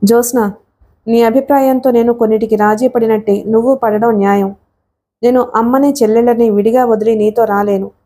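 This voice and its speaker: A woman reading the part of an angry young husband caught between his wife and his mother, speaking fast and heated. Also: fairly high pitch, steady tone, close to an everyday voice. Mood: stern, resigned. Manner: shouting in frustration, rapid.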